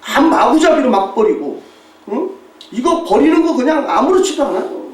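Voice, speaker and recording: A male pastor preaches with a high, swooping voice, acting out the people in his stories and laughing as he goes. He sounds distant from the mic, with the echo of a large church hall around him. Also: moderate pace. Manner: animated storytelling, mimics shouting tourists, laughs often. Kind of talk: sermon with mission report. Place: church sanctuary.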